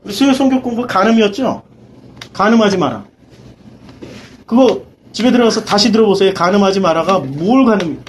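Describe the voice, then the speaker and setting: High-voiced pastor teaching with emphatic swings. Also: male voice, lively intonation, brisk, long pauses, a little hiss or hum, poor audio. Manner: rhetorical questions, mixing casual and polite speech; emphatic, swings between loud and quiet. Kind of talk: Bible study teaching.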